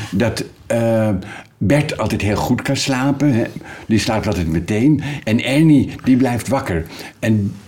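A man's voice: on the low side, a little mellow. Casting: oudere man als gast, vrij lage stem, aarzelend met veel 'eh'. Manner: hesitant, many fillers, acts out voices in passing. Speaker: guest, voice actor. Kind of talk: relaxed interview conversation.

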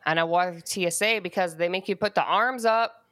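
A woman's voice: lowish voice, a little fast, a bit bright, no echo, studio quality. A young woman co-hosting a podcast, chatting casually and acting out bits of dialogue as she tells a story. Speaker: podcast co-host. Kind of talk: casual chat. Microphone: studio podcast mic.

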